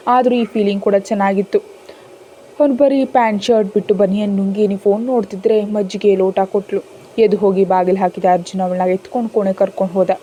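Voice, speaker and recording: A woman's voice: mid-range voice, dark tone, slight background noise. A woman reading a romantic family story aloud as a storyteller, voicing the characters' lines in her own narrating voice.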